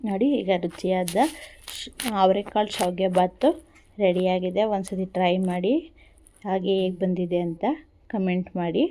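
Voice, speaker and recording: Woman, Kannada accent, cooking vlogger, warm mellow tone, unhurried, repeats steps. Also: fairly low pitch, level tone. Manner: unhurried, repeats simple instructions. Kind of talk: casual cooking demonstration.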